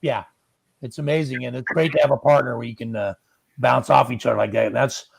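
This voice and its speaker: A man's voice: mid-range voice, steady tone, quick pace, vocal fry, slightly rough, no room sound, rough recording. A man in his fifties or older chatting casually as a musician guest, acting out bits of dialogue. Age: 50s or older. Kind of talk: casual chat.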